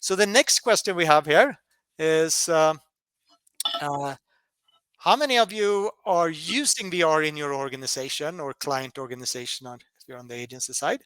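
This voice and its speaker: A man from Colorado presenting a workshop webinar, halting with many fillers and restarts. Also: on the high side, a bit bright, smooth, no echo.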